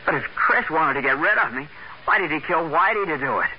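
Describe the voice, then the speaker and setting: A man's voice: on the high side, animated, fairly quick, slightly rough. An actor playing an earnest, plain-spoken and somewhat hesitant young man in a 1940s radio drama. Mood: puzzled. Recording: hissy, muffled 1940s radio recording.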